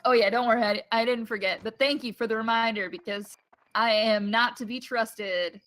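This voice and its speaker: A young woman with a high voice, hosting a casual game playthrough, joking and laughing as she plays. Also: steady tone, moderate pace, a bit bright. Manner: laughy, joking, self-deprecating. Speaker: let's play host. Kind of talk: casual gameplay commentary. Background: faint game music.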